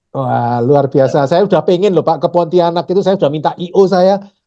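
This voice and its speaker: A man in a Javanese accent talks at a fairly quick pace in a high pitch, with a dark, mellow tone and ordinary pitch variation. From Yogyakarta, Java. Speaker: YouTube host, property investment educator. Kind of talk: interview. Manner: animated.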